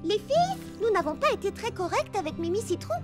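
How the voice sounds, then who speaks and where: A woman voicing a friendly little girl in a children's cartoon, speaking in an expressive, earnest way. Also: very high voice, brisk. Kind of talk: French cartoon dub acting. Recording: music behind the voice.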